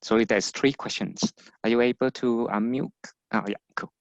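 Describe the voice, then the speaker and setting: A man's voice: mid-range voice, steady tone, normal speed, no room sound, highs cut off. Man moderating a webinar Q&A. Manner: casual, relays questions to panelists. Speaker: webinar host, MC. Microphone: video call.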